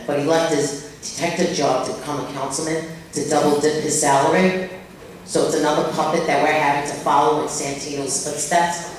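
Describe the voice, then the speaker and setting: A woman's voice: low-pitched, slight background noise. A woman from Long Island giving a heated, accusing public comment at a town board meeting. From Long Island, New York. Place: large echoey public meeting room. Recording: echoey room audio from far off.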